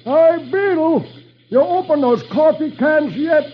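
A man doing a slow, dopey army cook. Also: extremely high pitch, animated, pitched above the performer's own voice. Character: simple-minded army camp cook, man. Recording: dull old radio recording.

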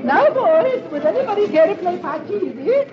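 A man's voice: very high-pitched, sing-song, normal speed, soft background music, a faint crowd, voice pushed up. A man voicing a prim, gushing rich society lady in a fluttery, genteel manner, on a dull old radio recording.

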